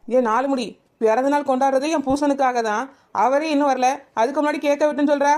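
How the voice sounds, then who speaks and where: A woman's voice: sits high, fairly even intonation, lightly acted. A woman playing a young village wife who banters sharply with her neighbours and feels let down by her husband. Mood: teasing. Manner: quick, sharp-tongued teasing, then wounded. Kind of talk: village family drama acting.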